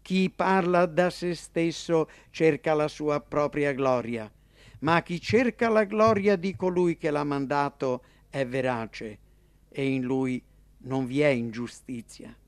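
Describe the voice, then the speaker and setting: A man's voice: fairly high pitch, dry recording. A fervent male teacher speaks in a raised, ringing voice, each phrase drawn out and stressed, as a man reads him aloud. The sound is close and completely dry. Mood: impassioned. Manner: emphatic, declaiming, slow and ringing. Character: male preacher-teacher, earnest and impassioned.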